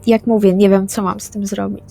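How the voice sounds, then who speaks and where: A woman's voice: medium pitch, little pitch movement, a little fast, gravelly, dark tone, faint music behind. A woman playing a tabletop role-playing game, improvising dialogue in character. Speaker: tabletop RPG player.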